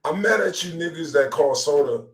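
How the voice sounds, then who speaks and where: A man's voice: on the high side, lively intonation, moderate pace. A man co-hosting a podcast in blunt, slangy, profane casual chat. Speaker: podcast co-host. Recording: roomy, distant mic, crowd-like background.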